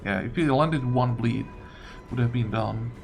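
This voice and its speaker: A man's voice: mid-range voice, measured pace, creaky. A man giving casual gameplay commentary, muttering short reactions to himself as he plays. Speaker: gaming video creator playing and commenting. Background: game music.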